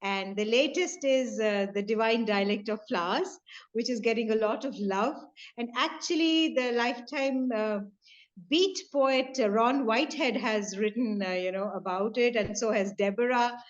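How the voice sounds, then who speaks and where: A woman's voice: a little high, moderate pace. A middle-aged woman from north India with an Indian English accent, a Punjabi native speaker, chatting as a poet guest with many fillers and light laughs. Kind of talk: casual video-call chat. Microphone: video call. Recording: dull lo-fi call audio.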